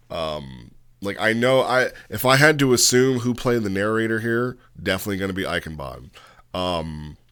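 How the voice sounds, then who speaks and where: A man giving a casual, off-the-cuff review as host, rambling and halting as he talks, often checking in with the listener. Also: on the low side, a bit bright, clear, resonant tone. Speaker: host reviewing roleplay logs.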